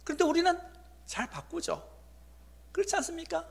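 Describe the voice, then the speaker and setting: A middle-aged male pastor preaching a sermon. He drops to hushed whispers and builds to loud, emphatic peaks, and acts out the voices of believers and of God in quoted lines. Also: very high voice, big pitch swings, normal speed.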